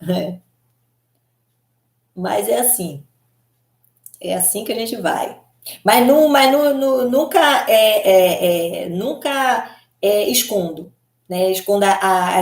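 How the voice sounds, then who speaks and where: Chatty, giggly woman, echoey room. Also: medium pitch. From Belém do Pará, Brazil. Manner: chatty and giggly, constant tag questions. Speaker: hair coloring specialist. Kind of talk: casual live chat answering viewers.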